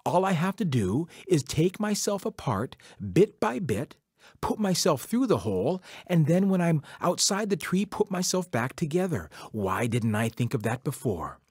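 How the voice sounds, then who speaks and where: A man plays a vain trickster coyote from a told folktale. He pleads and schemes in a high, slightly husky whine. His pitch leaps about as he stammers and wheedles. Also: sing-song, moderate pace, a little mellow, no room sound, clean studio sound. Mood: boastful.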